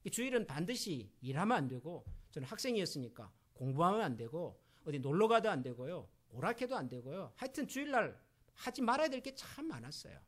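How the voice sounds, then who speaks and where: A man's voice: on the high side, sing-song, a little fast. A middle-aged man preaching a sermon as pastor, asking the congregation questions and acting out quoted voices. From Korea.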